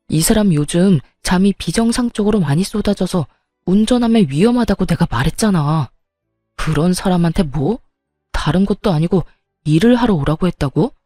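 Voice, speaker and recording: A furious young husband yelling at his own mother, exasperated and shouting, voiced by a woman narrator. The tone is warm and mellow. The sound is dry, with faint music behind. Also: fairly low pitch, dry recording.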